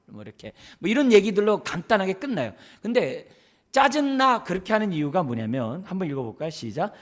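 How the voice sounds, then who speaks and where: Male pastor, church sermon, lively swooping delivery, fairly high voice, rhetorical questions. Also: fast. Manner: many rhetorical questions to the congregation. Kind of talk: sermon on parenting. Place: church service.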